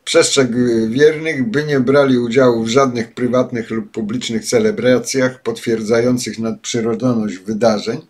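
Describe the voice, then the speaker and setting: An older man giving spoken commentary and reading passages aloud, pausing often with filler sounds, recorded at a desk webcam in a home study. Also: mid-range voice, steady tone, darkish tone. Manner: halting, many filler sounds. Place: home study with bookshelves, indoors.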